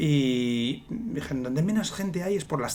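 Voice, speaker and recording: Audible room echo surrounds a man speaking at fairly high pitch. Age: 50s. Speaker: event organizer. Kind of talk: casual chat.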